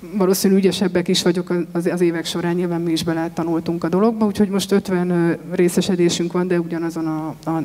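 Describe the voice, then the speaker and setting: Woman farmer, 30s, panel guest, mellow tone, hesitant, echoey hall. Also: fairly low pitch. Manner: thoughtful, steady, many hesitations. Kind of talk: panel discussion answers. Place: large expo stage with sofas. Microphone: handheld mic. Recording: long hall reverb.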